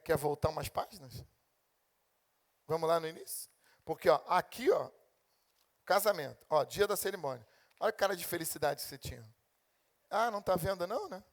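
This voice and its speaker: Animated high-voiced Brazilian pastor. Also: male voice. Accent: Brazilian Portuguese. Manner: animated preaching, acting out God and complaining believers. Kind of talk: sermon.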